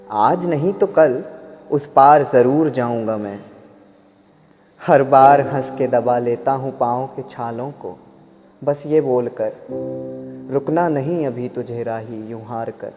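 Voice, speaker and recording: A man slowly reciting a poem in a measured voice. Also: mid-range voice. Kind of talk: poetry recitation over music. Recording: dull reverberant voice-over with music.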